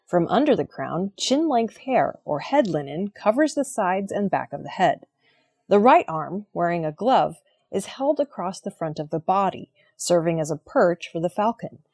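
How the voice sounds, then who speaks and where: A woman's voice: lowish voice, sing-song, moderate pace, creaky, darkish tone, breathy edge. Woman reading archaeology news. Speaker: news reader. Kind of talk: scripted news narration.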